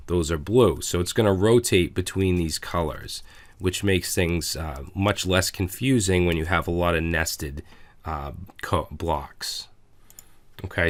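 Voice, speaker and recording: A man with a slightly raspy voice giving a relaxed, casual coding tutorial while clicking through his editor, with frequent fillers. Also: sits low, no room sound.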